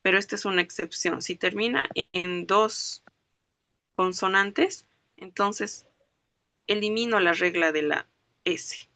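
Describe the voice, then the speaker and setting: A woman takes it slowly with long pauses, her medium-pitched voice sharp and free of echo, while lecturing an online language class. She lays out the rules step by step, sounds words out syllable by syllable, and often checks that students are keeping up.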